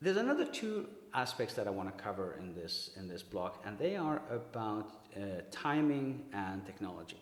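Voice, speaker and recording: A man with a Swedish accent, fairly low in pitch, with lively intonation at a moderate pace, amid noticeable background noise and audible room echo. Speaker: comedian and public speaking coach. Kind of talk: workshop tutorial. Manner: casual, with fillers and restarts.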